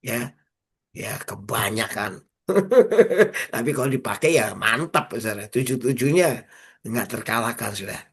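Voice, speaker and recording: A man preaching an informal sermon over a video call, exhorting listeners by name and slowing into emphatic recited lines. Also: medium pitch, expressive, fairly bright tone, husky. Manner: exhorting, repeats phrases and drops into slow emphatic recitation; addresses listeners by name, casual colloquial asides. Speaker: preacher leading an online prayer meeting.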